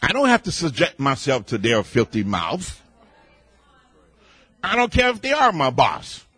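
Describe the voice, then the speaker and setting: A man preaching a sermon in a loud, boisterous way, building up to near shouting and easing back into storytelling. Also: mid-range voice, huge pitch swings, measured pace, slightly rough, no room sound.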